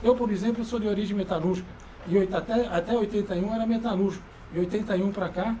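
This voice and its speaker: Against noticeable background noise, a man with a high voice talks very fast. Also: fairly even intonation. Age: 60s. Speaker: union president and podcast host. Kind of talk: podcast discussion. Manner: halting, many fillers and restarts.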